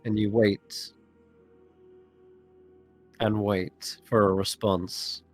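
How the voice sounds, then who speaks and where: A man's voice: fairly low pitch, flat delivery, very slow, faint music behind. A man narrating a tabletop role-playing game as game master, describing scenes and asking players what they do.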